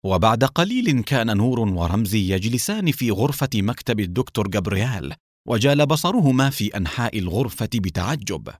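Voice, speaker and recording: A man narrating an audiobook in an expressive storytelling manner. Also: on the low side, brisk, no echo, studio quality.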